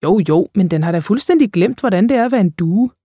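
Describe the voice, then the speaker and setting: A woman's voice: mid-range voice, animated, mellow, slightly rough, dry recording, studio quality. A woman reading aloud, voicing a middle-aged father who talks fondly and jokingly. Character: warm middle-aged father, gently teasing.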